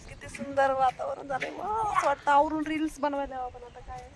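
Filming herself on a rain-soaked house rooftop with a handheld phone, a woman chats fairly quickly in a high voice, exclaiming and teasingly scolding her son. She is a vlogger and mother, and the background is noisy.

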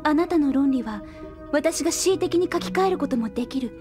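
An actress playing a thoughtful, earnest young woman scientist in a Japanese audio drama, musing with hesitant pauses and soft trailing phrases. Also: high voice, animated, over music. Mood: pensive, wistful.

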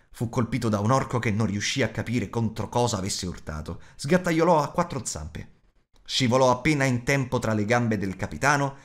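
A man narrating an audiobook in an expressive, measured storytelling manner. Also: mid-range voice.

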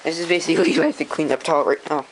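Low-voiced young vlogger, noisy camera audio. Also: female voice, fairly even intonation, rapid-fire. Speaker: vlogger filming friends. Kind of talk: casual kitchen vlog chat. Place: home kitchen. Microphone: handheld camera.

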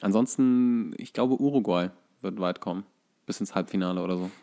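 Male podcast co-host, slightly low voice, casual football talk, explanatory, thinking aloud. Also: fairly quick, mellow.

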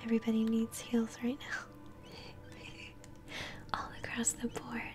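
A young woman whispering gently as she hosts an ASMR let's-play, commenting on a game. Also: a little high, completely flat delivery, fairly quick, over music. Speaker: host, gamer. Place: small room at home, indoors.

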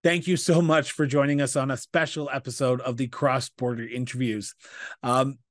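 Canadian podcast host, dry close studio mic. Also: male voice, medium pitch, no echo. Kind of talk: podcast interview and outro. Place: small studio indoors. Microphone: studio mic on stand with headphones.

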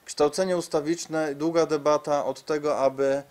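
A man gives a formal, measured presentation at a press conference, pausing hesitantly. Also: a little high, fairly even intonation, a little mellow. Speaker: medical reform spokesman. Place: conference room, seated at a table before a screen. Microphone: press microphones on the table.

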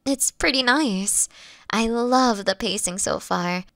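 A woman voicing a playful, affectionate fox-witch girlfriend in an intimate roleplay audio, teasing and cooing with breathy asides. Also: on the high side, takes it slowly, fairly bright tone, no echo, clean studio sound.

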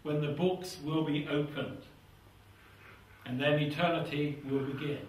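Older British preacher in an echoey hall. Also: male voice, fairly high pitch, fairly even intonation, a little slow, slight background noise. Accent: British English. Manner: earnest, fervent, drops voice to a hush at phrase ends. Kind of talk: sermon with scripture reading. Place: small church hall with seated congregation. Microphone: lapel mic. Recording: echoey hall, somewhat far from mic.

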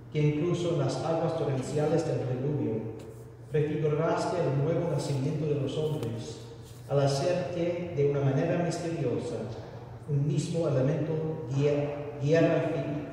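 A priest leading a baptism prayer in a measured, solemn recitation, his voice carrying through a large church. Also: fairly high pitch, warm tone, a little hiss or hum. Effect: long cathedral reverb. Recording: cathedral echo, heard from far off.

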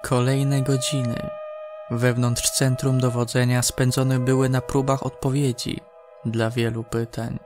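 A man narrates an audio drama slowly and solemnly, like someone reading out an official report. His voice is of medium pitch, with music playing underneath. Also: little pitch movement.

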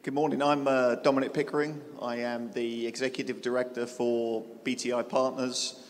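A man introducing his land development firm on a panel, measured with fillers. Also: mid-range voice, little pitch movement, a little hiss or hum. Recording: reverberant conference hall.

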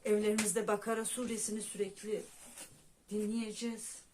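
A woman's voice: mid-range voice, level tone, moderate pace, warm tone, a little hiss or hum. A woman vlogger telling viewers a heartfelt personal story with religious devotion, speaking directly to them as friends.

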